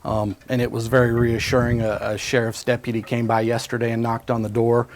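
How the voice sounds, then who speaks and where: American male local interviewee, mid-pitched and level, informal, slight background noise. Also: completely flat delivery, brisk. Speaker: neighbor interviewed for news. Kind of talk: casual interview account.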